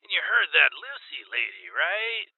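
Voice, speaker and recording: An actor playing an over-eager, weird gang bro who insists he is normal, pitching on a tinny radio spot in an audio drama. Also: very animated, a little slow, breathy edge, no echo, heavily acted. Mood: shifty, boastful. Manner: over-eager dude-bro, peppers talk with amigo and bro. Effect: tinny radio filter. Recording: tinny narrow-band radio sound.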